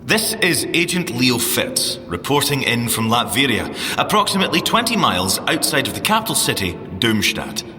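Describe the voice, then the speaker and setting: A teasing Scottish field scientist in an audio drama. His voice is bright and forceful, with lively swings of pitch. He is playful and theatrical, in a reverberant space. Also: moderate pace, hardly any pauses, a little hiss or hum. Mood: playfully pompous. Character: playful, teasing male spy-agency scientist agent.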